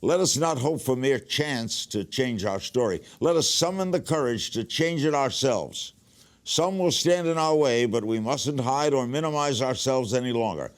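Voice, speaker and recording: A man's voice: mid-range voice, animated, moderate pace. A man reading a scripted motivational text in an earnest, exhorting manner.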